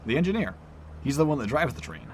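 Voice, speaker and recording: A man's voice: on the high side, big pitch swings, fast, slight background noise. A man playing a brash, teasing train conductor in an audio drama, with a breezy, blunt manner.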